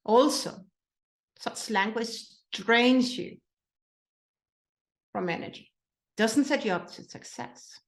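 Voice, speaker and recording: Her voice is a little high and her pace slow, with frequent pauses and a roomy sound. She's a woman from Denmark, Danish-accented, acting as a mindset coach and host who asks her listeners lots of questions in a motivational talk.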